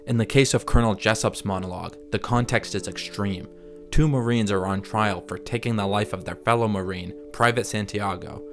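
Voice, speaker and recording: A man reading scripted analysis as a video essay narrator, in a measured, articulate, explanatory manner. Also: lowish voice. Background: background music.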